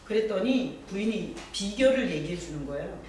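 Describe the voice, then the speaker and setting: A pastor giving a sermon from the pulpit, telling stories with gentle humor and calling on members of the congregation by name. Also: medium pitch, lively intonation, moderate pace, slight background noise. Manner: warm storytelling with gentle humor. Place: church sanctuary, from the pulpit. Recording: very echoey hall, voice from far off.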